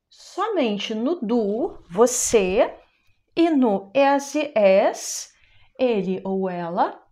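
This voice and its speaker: A young woman from Brazil, speaking with a Brazilian Portuguese accent, gives an online German lesson, patiently working through it step by step and slowing down on the example words. Her voice is a little high with a darkish tone.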